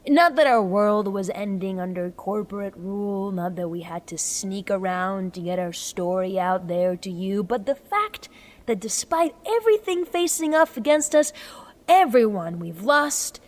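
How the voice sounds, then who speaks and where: A woman's voice: mid-range voice, animated, measured pace, lightly acted. A woman playing a scrappy, upbeat engineer in a sci-fi audio drama, with a wry, rambling way of talking. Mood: hopeful, musing.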